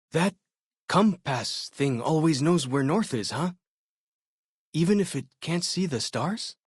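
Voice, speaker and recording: A man's voice: mid-range voice, slightly rough, dry recording, clean studio sound. A man playing a friendly, curious young tribal scout and guide in a video game, chatty and folksy. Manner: folksy, chatty, inquisitive, easygoing phrasing. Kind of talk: video game companion dialogue.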